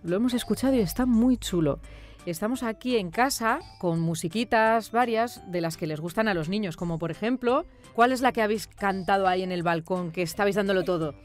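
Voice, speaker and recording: A woman hosting her own podcast, presenting sections in a calm, friendly way and talking gently with children. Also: mid-range voice, fairly quick, faint music behind. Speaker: podcast host.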